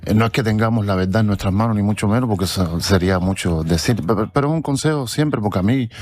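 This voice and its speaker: A man's voice: lowish voice, quick pace, darkish tone. A Cuban man, a musician guest, explaining earnestly and at length in a casual interview. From Cuba.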